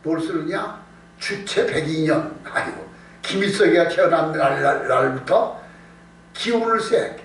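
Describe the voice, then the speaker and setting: 남자 목사가 같은 말을 거듭하고 스스로 묻고 답하며, 힘주어 강조하는 대화체로 설교한다. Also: male voice, on the high side, a little slow, fairly bright tone. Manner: emphatic, repeats phrases, rhetorical questions. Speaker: pastor preaching. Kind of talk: Korean evening-service sermon, conversational. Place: indoor church service. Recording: echoey church room, distant mic, noise, hum.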